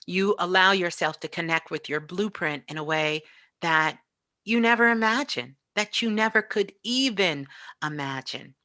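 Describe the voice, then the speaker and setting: A woman's voice: fairly low pitch, normal speed, bright, forceful tone, no echo, studio quality. A woman speaking reflectively and conversationally as an interview guest and spiritual teacher, often checking in with the listener. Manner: frequently checks in with "you know".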